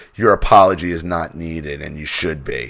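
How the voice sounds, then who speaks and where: A man growls in a put-on character voice, very deep and low in pitch. His delivery is raspy and moves at a fairly quick pace. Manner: snarling.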